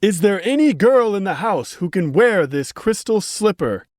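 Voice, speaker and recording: A woman voicing a royal guard in a children's story, calling out loudly. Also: mid-range voice, sing-song, normal speed, no echo, clean studio sound. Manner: shouting, announcing.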